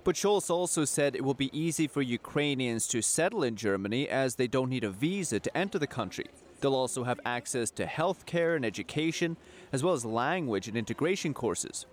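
A man reading a scripted news report in a measured, formal way. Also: mid-range voice, lively intonation.

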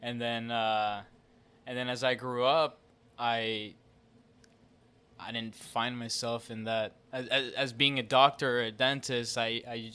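A man in his thirties, from Mexico, talks as a guest in a relaxed interview. His voice is bright and clear, at a middle pitch. He speaks plainly and often repeats words as he gets going. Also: a little slow. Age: 30s. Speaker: guest, real estate entrepreneur. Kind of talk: casual interview.

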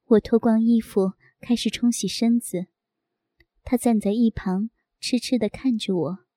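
A woman reading a first-person story aloud in a soft, intimate, unhurried way. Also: a little high, steady tone, no room sound, clean studio sound.

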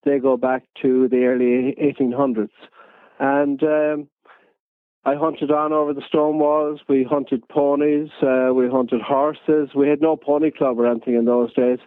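A man with a west of Ireland accent reminisces as a guest in a radio interview. He tells his stories in an unhurried way, at a middling pitch. The sound is narrow and phone-like, with no room echo. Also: little pitch movement. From County Galway, west of Ireland. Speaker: interview guest, photojournalist and fox hunter.

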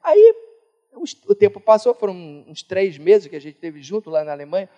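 A man from Brazil preaching a sermon, emphatic, swinging between loud and hushed. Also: sits high, huge pitch swings, moderate pace, highs cut off. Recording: reverberant hall.

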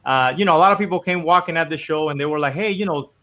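A man's voice: on the high side, quick pace, sharp tone. A man from the Dominican Republic, a company founder, telling his story in a casual, earnest, rambling interview with many fillers.

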